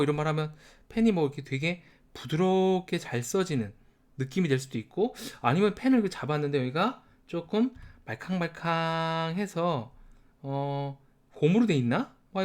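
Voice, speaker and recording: A man teaching a lesson at a whiteboard, explaining step by step and drilling short phrases slowly and repeatedly. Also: a little high, darkish tone. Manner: starts sentences with a prompting filler. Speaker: English teacher.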